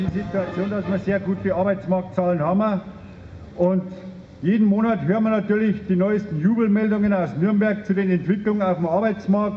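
A man's high-pitched voice with a dark, mellow tone and fairly even intonation, over light background noise. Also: moderate pace. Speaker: trade union official. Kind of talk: public speech. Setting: outdoor rally. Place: street. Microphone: pa.

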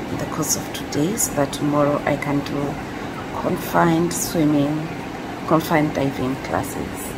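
Noticeable background noise surrounds a woman's voice. She speaks fairly slowly in a very deep, low pitch. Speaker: travel vlogger learning to dive. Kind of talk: casual vlog chat. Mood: cheerful, relieved, laughing.

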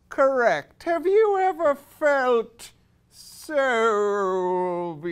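Putting on a character voice, a man talks at an extremely high pitch and a very slow pace with very wide pitch swings. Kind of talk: horror host comedy sketch. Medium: stage.

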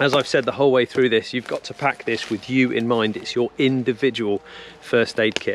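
In a British accent, the speaker delivers lines at a fairly quick pace in a monotone, flat intonation, with dry sound, no echo and light background noise. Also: man. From United Kingdom. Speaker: former Royal Marine and bushcraft instructor. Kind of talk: gear tutorial. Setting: outdoors. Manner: casual with frequent fillers. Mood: relaxed, friendly. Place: forest. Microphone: phone near.

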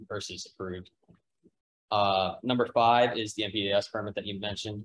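A man speaks at a fairly low pitch with monotone, flat intonation. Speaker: engineer. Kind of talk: project presentation. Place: meeting room. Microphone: podium.

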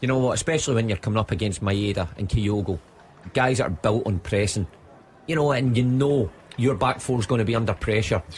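A man talks at a fairly quick pace with a medium pitch and a somewhat breathy voice. His loudness stays very even, and his pitch varies in an ordinary way. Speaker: football pundit. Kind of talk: live match commentary and analysis.

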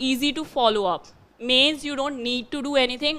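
A woman with a high pitch. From India, Hapur (Uttar Pradesh); Uttar Pradesh, India. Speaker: civil services exam topper. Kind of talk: Q&A talk to exam aspirants. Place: classroom. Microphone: headset.

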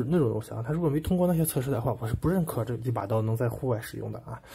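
The voice is dark, mellow and somewhat breathy, moving at a very fast pace with ordinary pitch variation. The recording is very clean, with a silent background. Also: man. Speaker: knife review vlogger. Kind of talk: casual monologue video. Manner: rambling, repeats phrases.

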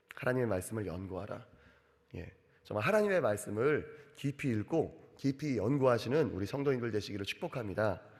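A man speaks in an ordinary speaking voice at medium pitch. His pace is moderate and his intonation lively. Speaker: pastor. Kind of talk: sermon.

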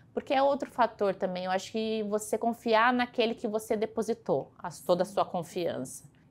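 With a fairly high pitch and ordinary pitch variation, a woman speaks at a moderate pace with hardly any pauses. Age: 30s. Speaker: law student who passed the bar exam; interviewee. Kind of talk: interview. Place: meeting room.

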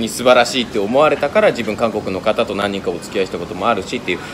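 A man races along at a very fast pace while noticeable background noise fills the recording. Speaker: online sales instructor. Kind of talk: casual vlog chat. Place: street. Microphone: phone near.

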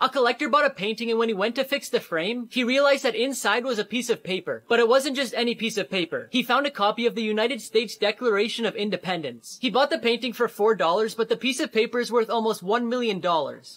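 A man speaks at an extremely high pitch with ordinary pitch variation. He goes at a very fast pace with hardly any pauses. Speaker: short-video creator. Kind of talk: casual storytelling and skits. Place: home room.

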